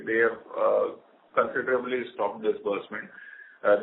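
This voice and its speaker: A man, a company executive, answering analysts' questions on an earnings call in a measured way, full of "uh" fillers. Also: on the low side, creaky. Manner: measured explaining, many "uh" fillers. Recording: tinny conference-call phone line, faint noise.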